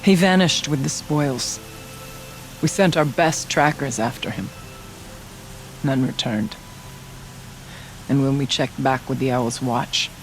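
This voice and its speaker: A woman's voice: very deep voice, heavily acted, low-quality recording. A solemn tribal shaman lady, formal and reverent, game cutscene, music behind. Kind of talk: dramatic video game dialogue.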